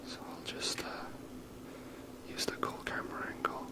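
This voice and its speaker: A person whispering softly and breathily in a casual, rambling ASMR commentary while playing a video game. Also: moderate pace.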